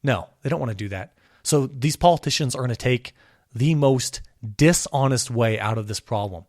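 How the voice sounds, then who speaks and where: A man hosting his own podcast, talking with impassioned energy, his voice a little hoarse from a cold. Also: moderate pace, a little mellow, no echo, clean studio sound. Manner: impassioned ranting, pitch climbing when worked up. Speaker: podcast host. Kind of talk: solo podcast commentary.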